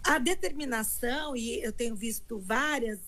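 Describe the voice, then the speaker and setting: A woman's fairly high voice with vocal fry, in a room with audible echo. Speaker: lawyer. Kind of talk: radio panel discussion.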